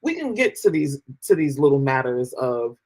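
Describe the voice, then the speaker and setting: A man's voice: medium pitch, sing-song, moderate pace, poor audio. Rambling New York man in casual chat. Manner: rambling, repeats fillers. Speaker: podcast co-host.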